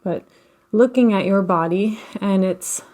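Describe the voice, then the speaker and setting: A woman with a mid-pitched voice guides a relaxation practice. She gives soft, patient instructions in short phrases, leaving generous pauses between them. Her delivery is soothing and never hurried. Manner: gentle, unhurried, soothing with long pauses. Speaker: guided relaxation and meditation teacher. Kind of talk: guided meditation, slow instruction.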